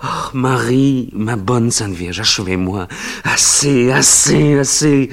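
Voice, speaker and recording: A man's voice: medium pitch, slow, gravelly, pitched above the performer's own voice. A man doing a wounded soldier crying out. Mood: agonized pleading. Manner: pleading, crying out in agony. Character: gravely wounded young male Italian soldier.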